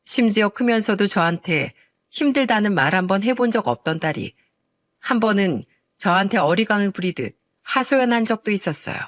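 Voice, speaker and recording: A woman's voice: mid-range voice, expressive, normal speed, dry recording. An older woman narrating an earnest, indignant story about her daughter. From South Korea.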